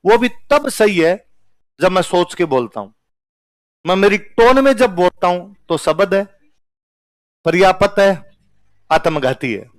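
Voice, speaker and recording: A male teacher with a Rajasthani Hindi accent, talking to his class in a loose, anecdotal way and poking fun at himself. His voice sits fairly high for a man. The recording is close and dry. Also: animated, a little slow, long pauses, dry recording. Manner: conversational, anecdotal, self-mocking. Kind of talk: storytelling lecture to students.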